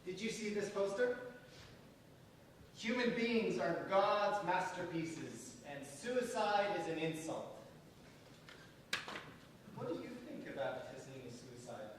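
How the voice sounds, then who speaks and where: A man's voice: high voice, lively intonation, takes it slowly, pauses often. An actor playing a mild, inquisitive secular city man in a staged reading, questioning and conciliatory. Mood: curious. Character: secular bourgeois male visitor from Istanbul, inquisitive, mild. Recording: distant, very echoey stage recording, faint noise.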